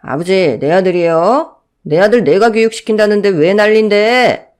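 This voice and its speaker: A woman voicing a drunken, violent middle-aged father who shouts and bullies in a Korean audio story. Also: mid-range voice, normal speed, natural voice. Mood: angry. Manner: loud, bullying, shouting.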